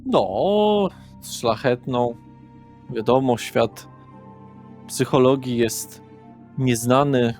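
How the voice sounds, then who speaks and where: A man playing a weary, affable middle-aged father who works as a psychologist, chatty and halting, in a tabletop game. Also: mid-range voice, darkish tone, soft background music. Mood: friendly, rambling.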